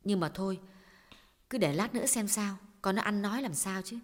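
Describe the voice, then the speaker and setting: A man's voice: sits high, normal speed, voice pushed up, lightly acted. A man voicing anxious women in a storytelling reading, his voice raised and hesitant, worried and pleading. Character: anxious young wife and timid maid, women. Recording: echoey hall reverb.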